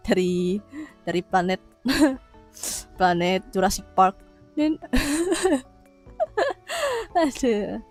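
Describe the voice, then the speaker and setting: A woman's voice: mid-range voice, very animated, drawn-out words, long pauses, soft background music. A woman live streamer chatting casually with her viewers, playful and teasing, laughing often and throwing in little roars. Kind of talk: casual livestream chat reading viewer comments.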